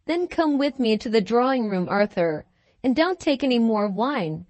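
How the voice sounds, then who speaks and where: A woman's voice: fairly high pitch, very animated, normal speed, a little mellow, dry recording. A woman voicing an earnest young wife and mother who speaks in a pleading, reproachful way in an audiobook.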